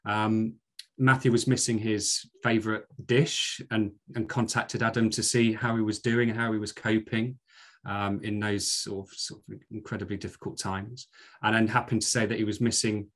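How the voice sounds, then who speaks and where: A man's voice: lowish voice, flat delivery, normal speed, a bit bright. A middle-aged man with a Scottish accent, speaking as a podcast guest in an earnest, hesitant way. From Scotland. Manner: earnest, with frequent fillers and restarts. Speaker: guest, commercial director. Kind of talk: podcast interview.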